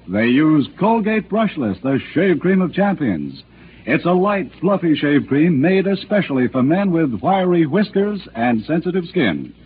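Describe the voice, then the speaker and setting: A male announcer delivering an upbeat, salesy radio commercial. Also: on the high side. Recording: tinny old radio broadcast with hiss.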